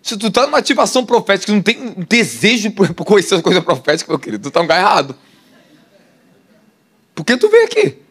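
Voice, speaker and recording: Brazilian male preacher, fairly high voice, lively sermon delivery with crowd questions. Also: racing, hardly any pauses, husky. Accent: Brazilian Portuguese. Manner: animated, asks the crowd questions, laughs often. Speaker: apostle preacher. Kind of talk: sermon teaching.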